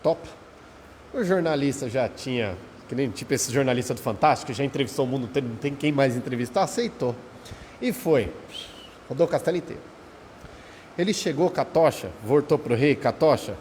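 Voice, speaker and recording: A man's voice: mid-range voice, expressive, a little fast, a little mellow. Brazilian man giving a talk, reverberant hall. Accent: Brazilian Portuguese. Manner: conversational, keeps checking in with the listeners. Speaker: speaker at a Spiritist study center. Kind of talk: informal spiritual talk. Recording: reverberant hall with faint background noise. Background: rain.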